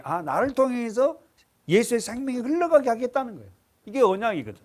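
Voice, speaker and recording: A man's voice: high-pitched, a little mellow. A male pastor preaching an expository sermon in a church. He keeps asking the congregation questions and answering them himself, and he calls on them to read scripture aloud.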